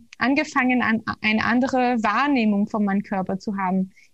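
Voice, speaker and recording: A woman's somewhat breathy, fairly high voice at a moderate pace, fairly even in intonation, against a quiet background. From Belgium. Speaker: yoga teacher. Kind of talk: interview. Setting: studio.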